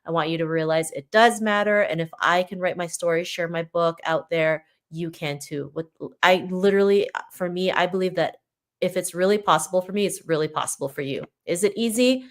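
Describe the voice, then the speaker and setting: A woman's voice: on the low side, brisk. A woman from Toronto, born in the Philippines and not a native English speaker, talking casually and motivationally as an author guest on a podcast. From Toronto, Canada, born in the Philippines. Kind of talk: casual interview talk, motivational.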